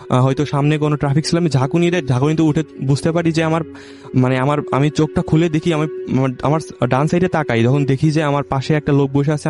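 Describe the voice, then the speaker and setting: Young man haltingly telling a ghost story. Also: medium pitch, darkish tone. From Bangladesh. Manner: halting, with many restarts and self-corrections. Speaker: caller sharing a true ghost story. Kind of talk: casual spoken storytelling.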